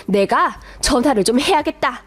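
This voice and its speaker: Woman doing a fired-up protective mom, middle-aged, ranting, high-pitched, radio story. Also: lively intonation, normal speed, fairly bright tone. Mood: indignant. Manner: indignant, ranting. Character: fiercely protective middle-aged mother, hot-tempered.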